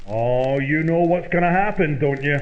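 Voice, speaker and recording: An actor playing an excitable, stubborn, blustering man in an old-time radio comedy sketch. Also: on the high side, moderate pace, lo-fi sound, close to an everyday voice. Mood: impatient. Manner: blustering, exaggerated, old-fashioned turns of phrase.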